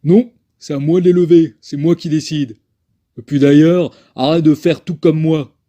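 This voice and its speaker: A man's voice: on the high side, steady tone, moderate pace, dark tone, dull audio, pitched above the performer's own voice, natural voice. A man voicing a bossy, contrary cowboy in a parody western film dub, giving petulant, bickering orders.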